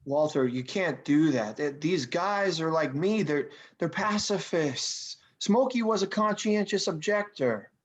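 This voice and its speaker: A woman's voice: deep voice, lively intonation, unhurried, hardly any pauses. A woman acting a laid-back but exasperated male slacker in a script read, casual, hesitant and sweary. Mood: weary, placating. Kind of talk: acted table read of a film script.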